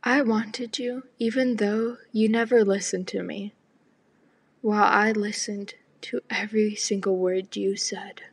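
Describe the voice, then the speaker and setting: Teen girl for spoken word, husky with a gravelly edge, slow and deliberate delivery. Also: mid-range voice, fairly even intonation. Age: teens. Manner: slow and deliberate, partly whispered.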